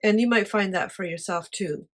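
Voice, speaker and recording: A woman with a quiet voice talking casually to camera about her life, light-hearted and honest in manner. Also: medium pitch, moderate pace. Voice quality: quiet voice that does not carry. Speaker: artist sharing life advice.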